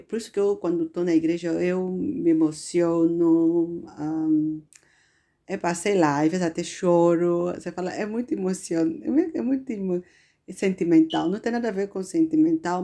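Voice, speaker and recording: A woman's voice: on the low side, warm tone. A woman giving an informal, earnest sermon testimony, often calling her listeners "beloved". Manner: conversational, earnest, addresses listeners as "amado". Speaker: preacher.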